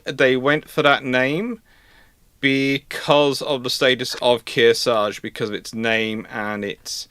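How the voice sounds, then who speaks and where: A man's voice: medium pitch, pushed and bright, smooth, no room sound. A man talking casually as host of a live history discussion, rambling and often restarting his phrases. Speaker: host answering naval history questions.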